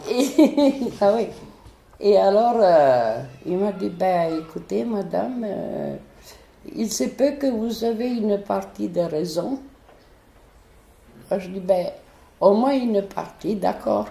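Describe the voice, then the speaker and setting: A woman with a foreign accent recounts her story slowly, with many restarts. Her voice is gravelly and dark. The recording has a roomy echo. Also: mid-range voice. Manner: animated, hesitant storytelling with restarts. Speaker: interviewee, neighbourhood resident. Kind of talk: telling a personal story.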